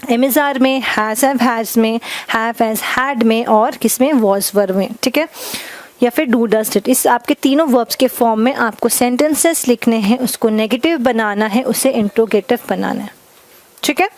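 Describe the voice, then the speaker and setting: A woman with a fairly high voice teaches a grammar class. She goes slowly and keeps checking that her students follow. The sound is close and dry, with no room echo. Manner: explains slowly with many checks of understanding; mixes Hindi and English. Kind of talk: classroom lesson.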